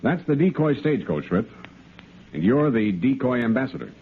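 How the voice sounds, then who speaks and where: A brisk army intelligence lieutenant lays out plans crisply with a lively, rising-and-falling delivery. It sounds like a narrow, tinny 1950s broadcast with faint hiss. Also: male voice, mid-range voice. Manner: crisp, explanatory, officer-like. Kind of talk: 1950s radio drama acting.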